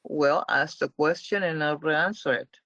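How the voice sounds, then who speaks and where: A man's voice: on the high side, measured pace, sharp tone, no echo. A man leading a spiritual question-and-answer class, explaining emphatically and repeating his points. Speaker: spiritual teacher. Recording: dull lo-fi dry sound.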